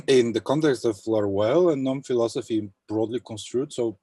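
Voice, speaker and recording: A young man from Bulgaria speaking thoughtfully in an academic round-table discussion on a video call, pausing often with fillers. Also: mid-range voice, warm tone, dry recording. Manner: thoughtful, hesitant with many fillers. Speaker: panel speaker.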